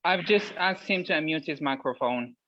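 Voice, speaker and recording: A man's voice: a little high, animated, normal speed, sharp tone. A man chatting casually and helping with introductions in an online lesson. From Algeria. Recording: dull, lo-fi online call audio.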